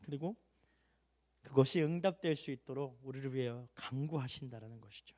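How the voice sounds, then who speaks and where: A young adult male pastor preaching an emotional sermon in a church hall, swinging from loud rising appeals to hushed low tones. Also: a little fast.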